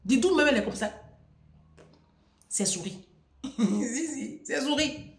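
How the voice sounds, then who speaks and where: Animated woman vlogger. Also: high voice, slow pace. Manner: mocking, emphatic, laughs often, swings loud and soft. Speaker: social media vlogger. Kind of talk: animated monologue to followers. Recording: echoey room.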